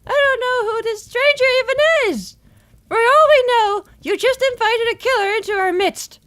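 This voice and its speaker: A woman doing a brash, very high-voiced sarcastic fantasy girl. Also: normal speed, fairly bright tone, dry recording. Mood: suspicious. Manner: brash, snappy, taunting. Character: hot-tempered, sarcastic, mocking young woman in a fantasy game.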